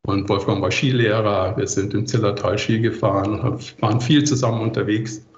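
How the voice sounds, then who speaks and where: A man in his sixties giving measured, articulate, reflective answers as an interview guest. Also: fairly low pitch, fairly even intonation, reverberant, muffled recording. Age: 60s.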